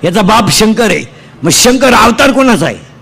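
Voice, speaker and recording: High-voiced man preaching a comic sermon. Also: sing-song, gravelly, a bit bright, slight background noise. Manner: quizzes the audience in quick call-and-response; joking, teasing, rustic storytelling. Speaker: kirtan preacher. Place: live religious gathering before an audience.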